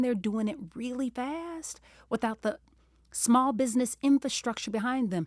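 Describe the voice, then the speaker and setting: An ordinary speaking voice, a woman's, comes at a moderate pace with ordinary pitch variation in a very clean, dry, close recording with a silent background and no echo. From US South, Atlanta. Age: 50s. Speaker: brand marketing executive. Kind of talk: podcast interview.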